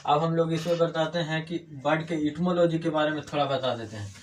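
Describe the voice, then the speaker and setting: A man's voice: fairly high pitch, moderate pace. A man teaching an English grammar class, explaining step by step and repeating key words back as questions. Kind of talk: classroom lecture. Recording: distant mic, faint room noise.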